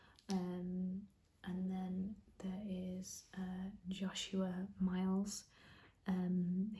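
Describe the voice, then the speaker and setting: A soft-spoken woman's somewhat breathy voice with a dark, mellow tone. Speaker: beauty vlogger. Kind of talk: casual vlog chat. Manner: soft, hushed ASMR-style talk. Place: home room. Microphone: phone near.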